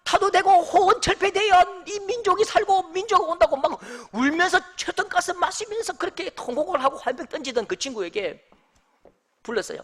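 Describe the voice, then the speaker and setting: Animated Gyeongsang-accented middle-aged pastor. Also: male voice, very high-pitched, a little fast. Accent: Gyeongsang Korean. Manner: animated preaching, swinging between hushed asides and loud exclamations. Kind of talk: expository sermon.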